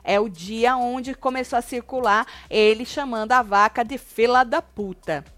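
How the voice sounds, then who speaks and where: A woman co-hosting a casual gossip show, retelling reality-TV moments with emphatic, animated delivery. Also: fairly high pitch, normal speed, dry recording.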